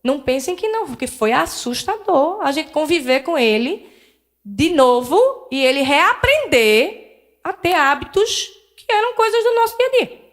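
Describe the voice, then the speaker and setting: A woman's voice: sits high, big pitch swings, normal speed. A middle-aged woman, telling a personal story as a lecturer at a spiritist center, candid and self-deprecating, acting out dialogue with shifting voices. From Northeast Brazil.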